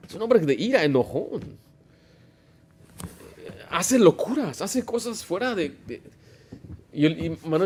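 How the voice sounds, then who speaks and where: A man's voice: on the high side, a little mellow. A man, preaching a Baptist sermon as pastor, emphatic and full of stories and rhetorical questions. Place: church.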